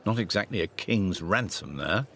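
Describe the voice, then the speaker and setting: A man's voice: sits low, animated, moderate pace, vocal fry, crowd noise. A man giving light scripted television narration in a playful, wry manner, full of wordplay.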